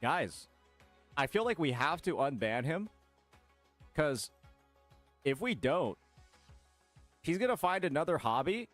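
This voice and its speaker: A man's voice: on the high side, sing-song, slow, long pauses, a bit bright, faint music behind. A man streamer talking to his chat, incredulous and sarcastic, defending himself. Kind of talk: livestream reaction.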